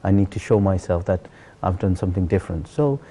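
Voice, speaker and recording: A middle-aged celebrity chef from Sylhet, Bangladesh, is an interview guest telling his own story earnestly in a conversational way, repeating and stressing his points. His voice sits low and mellow, and he talks fairly quickly.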